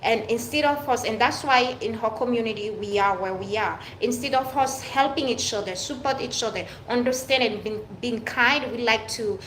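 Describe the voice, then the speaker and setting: A woman's voice: fairly high pitch, moderate pace, hardly any pauses, a bit bright, echoey room, a little hiss or hum, poor audio. A woman from Haiti, raised in France, speaking with a French-tinged accent in an unscripted personal monologue to her viewers, emphatic and repetitive with frequent restarts. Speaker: vlogger.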